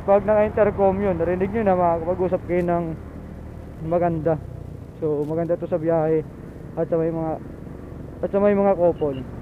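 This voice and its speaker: High-voiced Filipino man vlogging over traffic noise. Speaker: motorcycle vlogger. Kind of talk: casual chatty vlog while riding. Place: outdoors on a motorcycle in traffic. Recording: dull lo-fi, loud traffic and engine noise.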